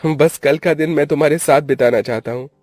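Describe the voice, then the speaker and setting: A man voicing a smooth-talking young lover in a cartoon, coaxing and persuasive. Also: a little high, brisk, a little mellow, dry recording, studio quality, soft background music, pitched above the performer's own voice, lightly acted.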